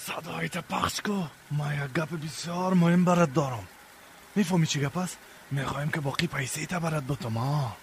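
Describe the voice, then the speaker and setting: A man's voice: a little high, close to an everyday voice. A male actor playing a secretive, persuasive village man who speaks insistently in a radio drama. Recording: faint background noise.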